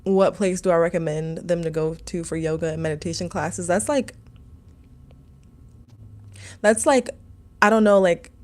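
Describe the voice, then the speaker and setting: A woman's voice: lowish voice, measured pace, long pauses, darkish tone. A young woman from Maryland hosting a casual livestream as a meditation teacher, rambling through viewer comments with lots of "like" and "um". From Maryland, USA.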